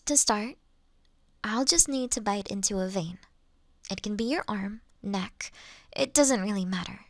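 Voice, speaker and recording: A woman playing a polite, reassuring vampire who looks like a child, speaking gently to the listener in an audio roleplay. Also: mid-range voice, unhurried, long pauses, no echo, clean studio sound, lightly acted. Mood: reassuring, businesslike. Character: childlike-looking ancient female vampire, polite, reassuring, mildly wry.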